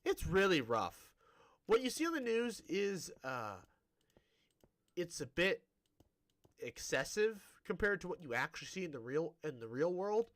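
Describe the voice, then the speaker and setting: Lively Midwestern American man rambling. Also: sits high, measured pace, no room sound. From Great Plains, United States. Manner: rambling, chatty, restarts his sentences. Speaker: gaming streamer. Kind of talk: casual chat while live-streaming a game.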